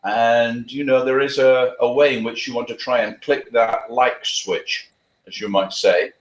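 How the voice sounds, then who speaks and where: A man giving earnest advice as a dog trainer in an interview, talking quickly with frequent restarts. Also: medium pitch, steady tone, echoey room.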